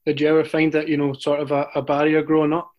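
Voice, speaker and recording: A man interviewing a guest, asking measured, hesitant questions. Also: fairly high pitch, monotone, dull audio. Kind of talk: casual interview.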